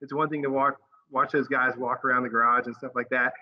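A man's voice: medium pitch, little pitch movement, fast talker. A man, a race engineer, chatting casually in an interview in an upbeat, earnest way. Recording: dull lo-fi sound.

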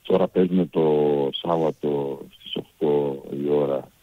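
A man who coaches a women's football team, answering in a hesitant, measured way with many fillers. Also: rumbling low, fairly even intonation, no echo, muffled recording.

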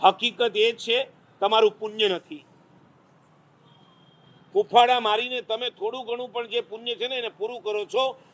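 A man preaching a sermon, telling lively stories and teasing the audience with questions. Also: very high voice, normal speed, long pauses. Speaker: Jain monk preacher.

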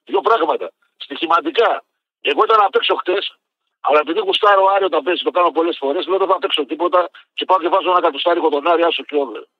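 A man's voice: on the high side, dry recording. Insistent male caller on a muffled line. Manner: insistent, keeps steering back to his point. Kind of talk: phone-in chat.

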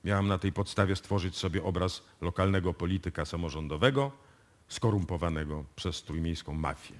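An actor playing a confident police detective who deliberately lays out a case in a radio play. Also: male voice, deep voice, lightly acted. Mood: explaining, assured. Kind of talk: live radio drama acting in Polish. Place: radio music studio, performed live before an audience.

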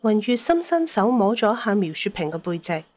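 A woman's voice: medium pitch, sing-song, moderate pace, darkish tone. A woman with a Cantonese accent narrating a dramatised story as an audiobook reader.

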